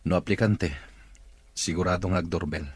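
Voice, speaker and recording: A man playing a stern, demanding employer in a radio drama, with a husky, grumbling delivery. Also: sits low, fairly even intonation, moderate pace, natural voice. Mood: impatient. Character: well-off demanding male employer seeking a caregiver.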